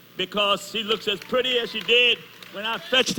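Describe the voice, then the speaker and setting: An extremely high-pitched man speaks with ordinary pitch variation. Background noise is noticeable. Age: 70s. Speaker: pastor. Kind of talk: rally speech.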